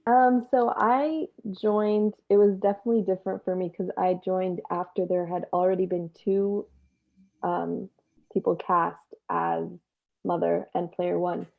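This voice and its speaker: Lower-voiced young woman, dull lo-fi sound. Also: gravelly. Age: young adult. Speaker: actor, interview guest. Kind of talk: casual panel chat. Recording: dull, lo-fi call audio.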